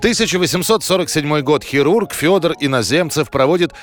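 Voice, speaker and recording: A man's voice: fairly high pitch, a little fast. A man presenting a history programme, reading scripted documentary narration. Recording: music under the voice. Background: background music.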